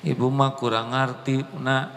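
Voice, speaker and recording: A man voicing a kindly, puzzled female schoolteacher in a sermon story, in a high questioning voice. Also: little pitch movement, measured pace, vocal fry, a bit bright, long reverb tail, a little hiss or hum.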